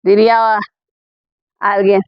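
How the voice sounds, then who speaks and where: A woman's voice: mid-range voice, level tone, takes it slowly, smooth, no echo, lo-fi sound. A woman giving a Christian teaching talk. She reads Bible verses and keeps checking in with her listeners. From Colombia. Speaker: Christian conference speaker.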